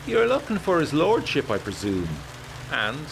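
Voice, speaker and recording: A man's voice: a little high, wildly swooping pitch, unhurried, gravelly, pitched above the performer's own voice, heavily acted. Man voicing blunt Irish local, raised voice in rain. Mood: wary. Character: gruff, scornful local man, blunt troublemaker. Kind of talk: gothic 1920s audio drama dialogue. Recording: heavy rain noise behind.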